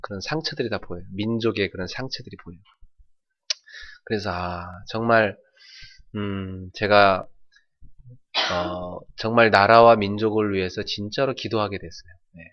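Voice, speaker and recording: A middle-aged man from North Jeolla preaching a sermon as pastor, telling folksy stories and shouting out imitations. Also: on the low side, steady tone, normal speed, long pauses, dull audio. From North Jeolla, South Korea.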